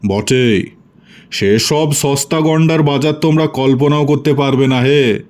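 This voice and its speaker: A man's voice: medium pitch, measured pace, darkish tone, close to an everyday voice. A man voicing a genial, boastful village-born storyteller who reminisces proudly and chattily in an audio storybook. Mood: proud, amused.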